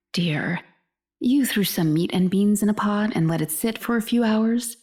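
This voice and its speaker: A woman's voice: mid-range voice, measured pace, darkish tone, natural voice. An actress playing a middle-aged wife and mother in an audio drama, wry, playful and affectionately teasing.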